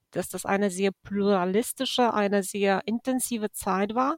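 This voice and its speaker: A woman with a Polish accent speaks at a fairly slow pace in a medium pitch with fairly even intonation, the sound dry and close with no echo. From southern Poland. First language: Polish (speaking German). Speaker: regional planning expert. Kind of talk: interview. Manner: hesitant, many fillers.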